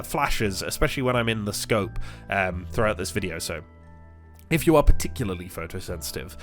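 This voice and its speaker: A man's voice: mid-range voice, a bit bright. A man hosting his gaming channel, sounding congested as he recovers from illness, talking casually with lots of fillers and restarts. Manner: rambling, many fillers and restarts. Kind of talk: casual gameplay commentary.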